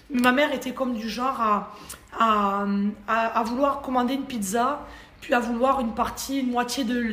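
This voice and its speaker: A fairly high-voiced woman from France talks shop as a hairdresser in a relaxed interview. She speaks in a chatty, animated way and laughs easily, and her voice rings in a roomy, echoey space. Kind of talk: casual interview conversation.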